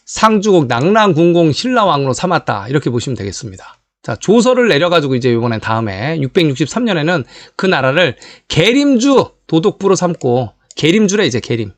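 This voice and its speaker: A man delivers a history lecture in a lively, sweeping voice that sits a bit high for a man. He talks straight to his audience and leans on rhetorical questions to drive home his points. The recording is dry and close, with no room sound. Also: fairly quick, no echo. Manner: animated, rhetorical questions, addresses viewers directly.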